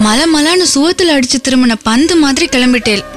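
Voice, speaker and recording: An actress playing a shy young village woman who speaks haltingly and sounds close to tears, in a radio drama. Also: high-pitched, expressive, faint music behind. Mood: tearful.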